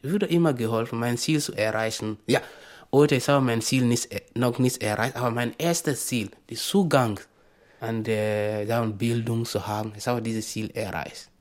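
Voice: medium pitch, normal speed. A young student with a non-native German accent, giving a personal account in an emphatic, insistent way and repeating points. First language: not German. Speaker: interviewee, school student.

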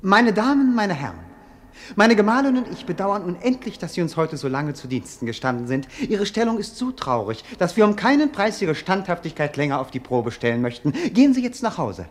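A dreamy young prince in a classic radio play. His voice sits a little high and moves with lively, expressive intonation. The delivery is lyrical and theatrical, touched with irony. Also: fairly quick. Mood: courteous, ironic. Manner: lyrical, theatrical, gently ironic.

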